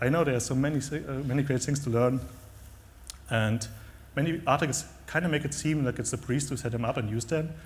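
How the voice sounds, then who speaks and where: A man with a German accent, somewhat breathy and fairly high-pitched, at a very fast pace with long, frequent pauses, ordinary pitch variation, and audible room echo. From Germany. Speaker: software developer, conference speaker. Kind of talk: conference talk. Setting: stage with audience. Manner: halting.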